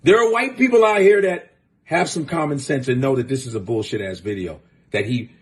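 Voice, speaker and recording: A man's voice: mid-range voice, a little fast. A man hosting a show, giving blunt, profane, fired-up commentary in casual talk. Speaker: host.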